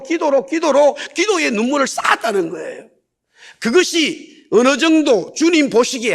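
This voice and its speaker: In a church sanctuary, a male pastor with a very high-pitched, gravelly, slightly bright voice preaches a sermon. He stresses key words by repeating them and leads the congregation in saying lines back to him aloud.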